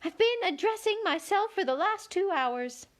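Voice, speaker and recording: A woman reading aloud and voicing the White Queen, a flustered, helpless older queen who talks in a high, plaintive, fluttery voice. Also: expressive, normal speed.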